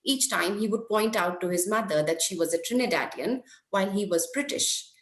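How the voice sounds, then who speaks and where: A woman presenting an academic paper, reading it aloud in a measured, careful way. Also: medium pitch. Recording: echoey room.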